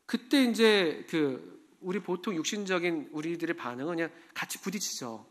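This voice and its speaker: Church pastor guy preaching, kinda higher voice, chatty, keeps asking the congregation stuff. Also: normal speed. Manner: conversational, asks the congregation questions. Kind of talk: sermon.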